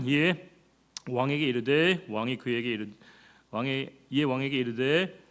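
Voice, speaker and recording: A male pastor preaching an expository sermon in a conversational way, asking the congregation rhetorical questions and jumping in pitch and volume for emphasis. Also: a little slow.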